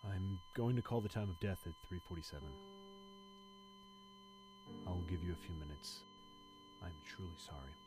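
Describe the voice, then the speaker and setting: An actor playing a hospital doctor with a measured, authoritative manner. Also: male voice, low voice, over music, lightly acted. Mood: somber.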